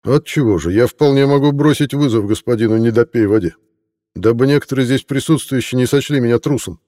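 A man's voice: medium pitch, fairly quick, dark tone, dry recording, clean studio sound, pitched above the performer's own voice, lightly acted. A man voicing a proud police inspector who speaks in a stern, formal way. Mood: cool, firm. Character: proud male police inspector, indignant gentleman.

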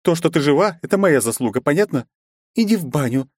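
A man voicing a bubbly, pushy young woman in an audiobook, speaking high and gushing. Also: lively intonation, brisk, darkish tone, slightly rough, no echo, studio quality. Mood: bubbly bossy.

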